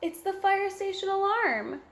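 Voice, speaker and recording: A woman with a high voice reads a picture book aloud for young children. She takes her time and narrates expressively, with animated exclamations. The room around her sounds echoey. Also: a little slow.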